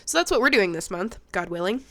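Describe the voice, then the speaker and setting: A woman's voice: mid-range voice, expressive, brisk, sharp tone. Stuffed-up chatty young woman. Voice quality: congested, sniffly. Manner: chatty, self-deprecating, swears casually. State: stuffed-up nose from a cold. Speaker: art vlogger. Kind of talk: casual chat.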